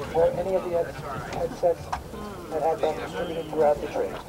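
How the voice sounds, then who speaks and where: Loud background noise fills the clip. A man talks at a fairly quick pace. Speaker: train staff announcer. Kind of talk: onboard announcement. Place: train.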